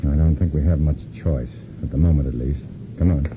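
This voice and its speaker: Deep-voiced agent on an old radio recording. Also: male voice, narrow, tinny audio. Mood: calm. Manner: brisk, wry first-person narration. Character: tough, cool-headed male undercover agent. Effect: old scratchy radio broadcast recording. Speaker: undercover agent and narrator. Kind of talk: 1950s radio drama acting.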